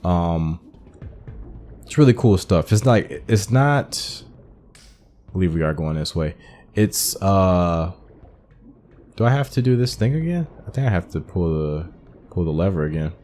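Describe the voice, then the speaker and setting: A man's voice: deep voice, expressive, a little slow, long pauses, darkish tone. A man giving casual, musing, conversational commentary as he plays a video game. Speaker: gaming YouTuber.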